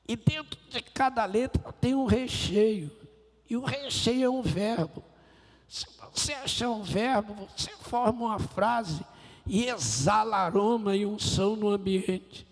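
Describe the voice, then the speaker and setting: A man's voice: high-pitched, unhurried. A man playing Jesus as a stern, patient teacher who gives firm instructions step by step. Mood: instructing. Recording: echoey church hall.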